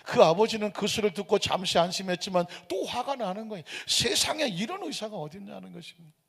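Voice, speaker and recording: Male pastor, sermon storyteller, emphatic, rough gravelly edge, long church reverb. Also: high voice, expressive, a little fast, a bit bright. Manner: emphatic storytelling preacher, rhetorical questions to the congregation. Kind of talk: Sunday sermon. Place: church sanctuary.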